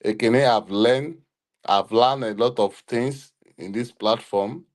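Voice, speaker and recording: A Nigerian man speaks slowly and haltingly in a live online debate, pausing and restarting as he searches for words. His pitch sits in an ordinary middle range. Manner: halting, hesitant, many fillers. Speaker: panelist on a live audio show.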